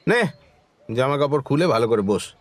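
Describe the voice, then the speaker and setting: An actor playing a brisk, dismissive village man in a Bengali horror audio drama. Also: medium pitch, expressive, natural voice. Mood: annoyed, scolding. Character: Birja, brisk, easily annoyed village man, narrator's friend.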